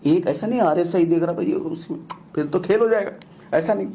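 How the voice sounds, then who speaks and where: A man's voice: high-pitched, a little fast, mellow, a little hiss or hum. A man from India teaching trading on a casual screen-share lesson, explaining with repetition and rhetorical questions. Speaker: trading tutor.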